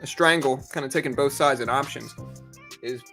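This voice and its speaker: A man's voice: mid-range voice, moderate pace, a bit bright, faint music behind. A man hosting a livestream, chatting casually and informally, speaking directly to his viewers. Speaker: livestream host.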